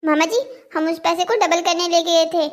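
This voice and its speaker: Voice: very high-pitched, steady tone, normal speed. A performer voicing a cheeky, childish boy who pleads and argues brazenly in a cartoon moral story. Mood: pleading. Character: cheeky, childish cartoon boys making earnest excuses.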